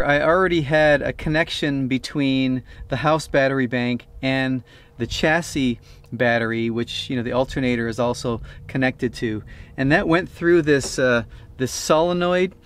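A man in his fifties with a mid-range voice, an RV vlogger, casually explains a DIY setup step by step, often restarting with "uh." He films at arm's length outdoors and in a van cab.

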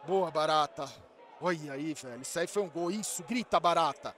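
A man with a Brazilian Portuguese accent streaming a live football watch-along, excitable, shouting at the players and swearing, then talking to his chat in between. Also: a little high, brisk. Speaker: streamer reacting to a football match.

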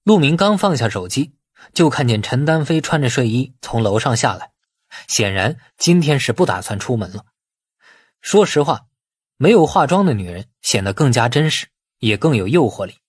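A man narrates a novel in a husky voice with lively, varied intonation. The recording is dry and close, with the delivery of a scripted audiobook. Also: mid-range voice, normal speed, dry recording.

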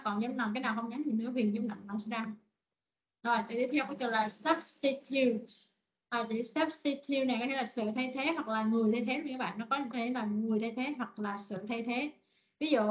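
Woman, English teacher, online lesson, slow repetitions, slightly high voice, dull lo-fi sound. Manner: repeats words slowly, explains in short phrases.

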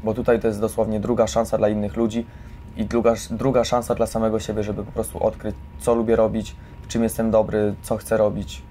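A man's voice: on the low side, monotone, fairly quick, warm tone, a little hiss or hum. A young man giving informal, reflective testimony in an earnest way, often checking for agreement with short tag questions. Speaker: resident of a youth educational centre.

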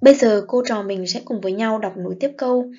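A woman teacher giving a reading lesson to young pupils, with slow, clear, expressive model reading and word-by-word explanations. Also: medium pitch, lo-fi sound. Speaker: primary school teacher.

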